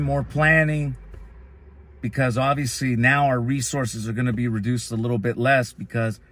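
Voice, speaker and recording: A man's voice: medium pitch, fairly bright tone, no echo. A man with a Chicano accent talking candidly and casually to his viewers about his business, blunt and conversational with the odd swear word. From Northern California. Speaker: lead-generation business owner. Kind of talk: casual talk to camera.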